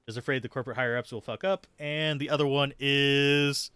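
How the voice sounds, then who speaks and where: Male game streamer, bright forceful voice, dry close sound, casual commentary, sardonic, self-deprecating, sweary. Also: mid-range voice, fairly even intonation, a little fast, smooth, dry recording. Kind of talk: casual live gameplay commentary, chatting with viewers.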